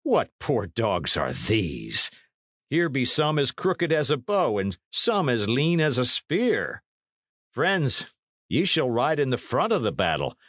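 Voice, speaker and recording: A man's voice: mid-range voice, wildly swooping pitch, slow pace, fairly bright tone, no echo, studio quality, voice pushed up, exaggerated voice. A man playing a boisterous, jeering old-time knight. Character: blustering mocking middle-aged knight.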